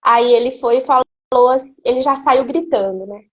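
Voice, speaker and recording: A woman, a guest giving an emotional personal testimony in an animated storytelling way. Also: fairly high pitch, moderate pace, muffled recording. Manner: animated storytelling, acting out quoted speech. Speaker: interview guest.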